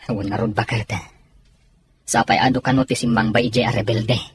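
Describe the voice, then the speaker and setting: A man's voice: mid-range voice, steady tone, a little fast, slightly rough. A man with a Filipino accent acting a dutiful soldier and family man in an audio drama. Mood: explaining. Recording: some background noise.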